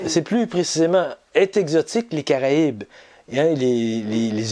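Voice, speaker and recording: A dark, mellow tone in a Quebec accent, with lively intonation at a very slow pace. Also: man. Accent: Québécois French. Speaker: poet and publisher. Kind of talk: interview. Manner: halting, many fillers.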